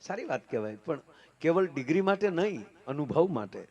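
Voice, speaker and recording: A man telling folk jokes on stage, swinging from hushed asides to loud, sermon-like declamation. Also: on the high side, very animated, normal speed, muffled recording. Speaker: folk comedian and storyteller. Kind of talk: folk humor stage storytelling.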